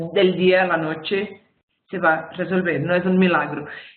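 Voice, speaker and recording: Speaking fairly slowly, a woman has a Portuguese accent. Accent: Portuguese-accented Spanish (portuñol). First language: Portuguese (speaking Spanish). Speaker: violence prevention expert. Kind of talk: webinar talk. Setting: online webinar.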